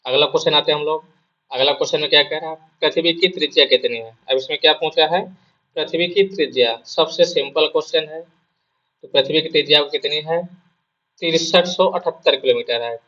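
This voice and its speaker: A man's voice: on the high side, brisk, sharp tone, muffled recording. A male exam prep teacher with a sore throat gives a casual spoken lesson, repeating his points and asking and answering his own questions.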